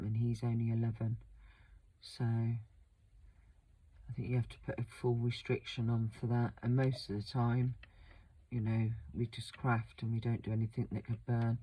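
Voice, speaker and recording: On a rough recording, a woman who hosts a craft channel demonstrates wax sealing in a relaxed, chatty, rambling way. Her croaky voice sounds slightly sore-throated, her pitch stays flat and level, and she fills pauses with frequent ums.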